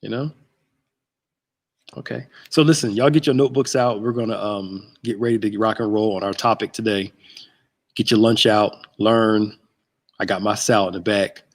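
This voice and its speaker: Guy in his 30s, pastor host, easygoing and jokey, bit husky. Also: on the low side, fairly even intonation, normal speed, long pauses. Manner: laid-back, joking, laughs often. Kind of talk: casual livestream chat. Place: church sanctuary.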